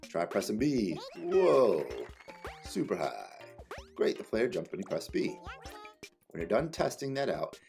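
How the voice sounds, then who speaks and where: A man's voice: lowish voice, sing-song, a little slow, vocal fry, a little mellow, soft background music. A man reading lesson directions aloud as a teacher, with playful exclamations and casual asides. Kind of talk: animated read-aloud tutorial with casual asides.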